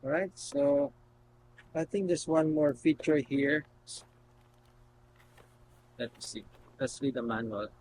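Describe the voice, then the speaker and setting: Male product reviewer, casual and unscripted, halting instructional delivery, noisy home-style recording with hum. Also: a little high, darkish tone. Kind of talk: casual unscripted gadget demonstration. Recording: noticeable background noise and hum.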